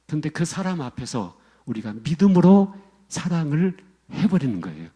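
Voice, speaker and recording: A man's voice: on the high side, very animated, moderate pace, dark tone, breathy edge. A middle-aged male pastor preaching a sermon to his congregation, emphatic and repetitive, often calling out to the listeners directly.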